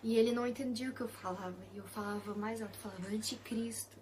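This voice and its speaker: A young woman with a Brazilian Portuguese accent sharing a personal Christian testimony, soft and intimate, often sinking to a hushed whisper. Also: mid-range voice, fairly even intonation, very fast, a little hiss or hum.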